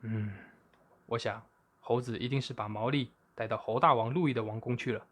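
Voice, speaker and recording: A man's voice: medium pitch, steady tone, normal speed, a bit bright, natural voice. Man as a stern scolding black panther. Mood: sarcastic. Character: stern, cautious male black panther guardian.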